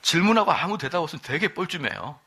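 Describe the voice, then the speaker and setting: A middle-aged man preaching at an evening church service with a bright, ringing voice that pitches a little high. His delivery swings widely in pitch as he quizzes the congregation and slips in quick asides. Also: lively intonation, husky. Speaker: pastor. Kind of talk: sermon.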